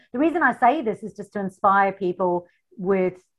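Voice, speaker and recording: Against a quiet background, a woman with a South African accent speaks at a moderate pace. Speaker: Facebook marketing strategist. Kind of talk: interview.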